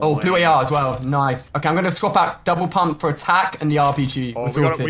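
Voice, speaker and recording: Amid noticeable background noise, a man with an English accent speaks at a moderate pace, fairly high in pitch and very even in loudness. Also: ordinary pitch variation. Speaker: gamer playing squads.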